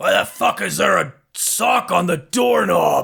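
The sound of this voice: A man puts on a character voice that is gruff and raspy. He delivers it at a fairly slow pace.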